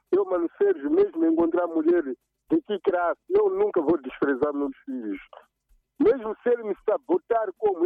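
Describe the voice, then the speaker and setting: A man's voice: very high voice, gravelly, no room sound. Emphatic male caller on phone line. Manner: emphatic, repetitive, preachy. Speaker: radio caller. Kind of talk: phone-in call.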